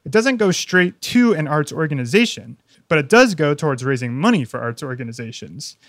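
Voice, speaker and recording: A man narrating a news feature as a reporter, steady and measured. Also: on the high side, no room sound, clean studio sound.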